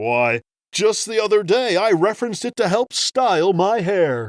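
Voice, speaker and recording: In a put-on character voice, a man speaks high with very wide pitch swings. His pace is moderate, and the sound is dry and close with no echo. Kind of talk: comedy audio sketch, multiple character voices.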